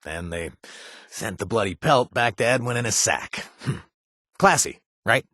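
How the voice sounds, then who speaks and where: A man's voice: fairly low pitch, lively intonation, unhurried, sharp tone, no room sound, full character voice. A man voicing a wry, sarcastic wasteland ally in a video game, talking with dry humor and frequent hesitations. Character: wry, sardonic wasteland man worried for his brother.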